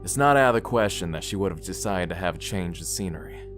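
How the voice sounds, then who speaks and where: A man's voice: deep voice, animated, fast, fairly bright tone. A young man playing a grumbling, wry young prince in a fan audio drama. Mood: serious. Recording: music playing behind. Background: music.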